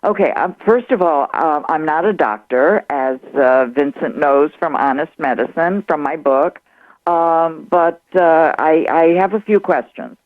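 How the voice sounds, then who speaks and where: A woman's voice: deep voice, unhurried, no echo. Woman author on the phone, chatty, laughs a lot, tinny phone line sound. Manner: chatty, laughs easily, hesitant with fillers. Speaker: author and guest. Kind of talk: phone-in radio interview.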